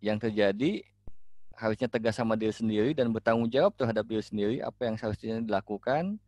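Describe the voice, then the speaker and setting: A man, a life coach, talking casually to his listeners, relaxed and full of fillers and restarts. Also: on the low side, quick pace, no room sound. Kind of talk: casual teaching talk.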